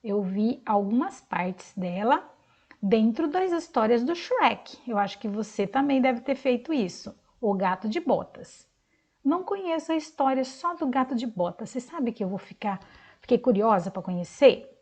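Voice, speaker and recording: A Brazilian woman teaching a recorded video lesson to young children, speaking slowly in a sing-song teacher manner and clapping out syllables. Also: fairly high pitch, very animated, darkish tone, breathy edge. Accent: Brazilian Portuguese.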